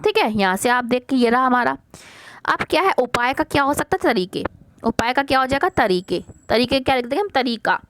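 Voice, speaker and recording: A woman teaching a worksheet lesson to young pupils. She asks a question, answers it herself, repeats the words slowly and calls the children "beta". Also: high-pitched, animated, fairly bright tone. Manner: mixes English words like question, first into her talk.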